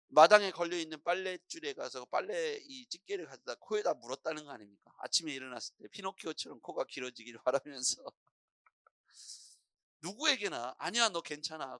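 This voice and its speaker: A middle-aged man preaches a morning prayer sermon in a church. His voice sits high and sounds bright and forceful, with lively swings in pitch. The sound is close and dry. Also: no room sound. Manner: lively storytelling preacher, acting out anxious and calm voices. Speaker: pastor.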